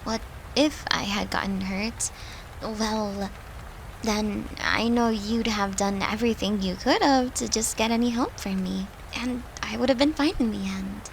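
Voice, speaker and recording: A woman playing a gentle, devoted girlfriend who soothes her lover in an intimate comfort roleplay, speaking tenderly and reassuringly in a soft, hushed voice. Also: medium pitch, a little slow, vocal fry, a little hiss or hum, poor audio.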